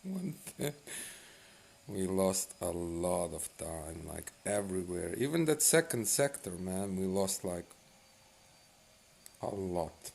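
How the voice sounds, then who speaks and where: Man, casual game commentary, gravelly fry, drawn-out delivery. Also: low voice, expressive, darkish tone, slight background noise. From Bosnia and Herzegovina. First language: Bosnian. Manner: laid-back, musing aloud to himself. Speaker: mobile game streamer.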